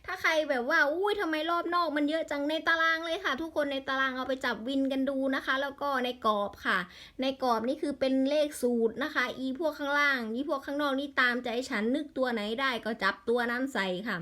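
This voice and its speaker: A woman's voice: high-pitched, fairly quick, hardly any pauses, bright, forceful tone. A woman with an Isan accent in a casual vlog, rattling off lottery number strings and breaking into exasperated grumbles.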